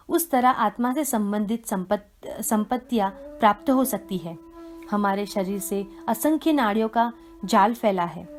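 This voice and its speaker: A woman giving a measured, reverent devotional scripture reading. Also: mid-range voice. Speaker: reader of a devotional text.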